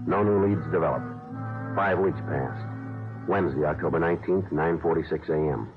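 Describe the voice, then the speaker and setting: An actor playing a matter-of-fact police detective who narrates in short, flat sentences, in a 1950s radio crime drama. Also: male voice, very deep voice, moderate pace, music in the background. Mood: clipped. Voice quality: flat, clipped delivery. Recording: tinny old radio broadcast.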